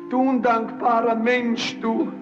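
A cranky, gout-ridden old rich peasant whines, his voice very high and dragging slowly. The sound is dull and dated, an old film soundtrack. Faint music lingers behind. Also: flat delivery. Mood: grumbling.

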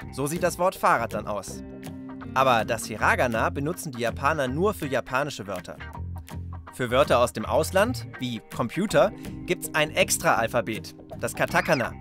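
A man's voice: medium pitch, lively intonation, normal speed, over music. A young man presenting a children's reportage, explaining things simply in short, casual sentences. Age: young adult. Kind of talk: lively explanatory narration and casual chat for children.

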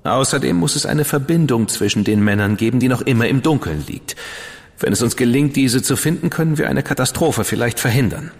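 Ironic dandy gentleman played by a man, lively voice, roomy reverb. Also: medium pitch, fairly quick, lightly acted. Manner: ironic, playful. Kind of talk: German audio drama acting.

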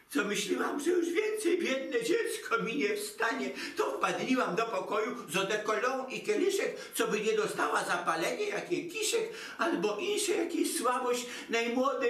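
A man's voice: very high voice, a bit bright, heavily acted. An actor playing a fretful, theatrical elderly Jewish mother who speaks Polish with a Yiddish inflection, lamenting in a singsong voice. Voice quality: singsong lamenting, broken grammar. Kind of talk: comic stage monologue. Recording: roomy, distant mic.

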